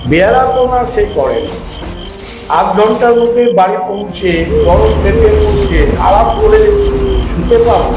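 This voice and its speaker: A man reading a scripted horror story as its narrator. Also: high-pitched. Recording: roomy echo under loud music. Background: background music.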